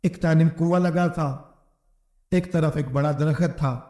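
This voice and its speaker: A man with a Pakistani Urdu accent preaching an emotional sermon, telling a story and acting out its voices with sudden high, sharp outbursts. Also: steady tone. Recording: echoey hall.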